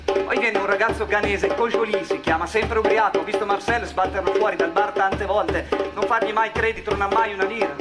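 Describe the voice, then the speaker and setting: A man performs a theatrical narrative monologue in a fairly high male voice. His delivery is emotive and scripted, with phrases repeated for effect. Music plays clearly behind him throughout. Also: fairly even intonation, fairly quick. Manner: emotive, addressing an absent person as "you", repeating phrases.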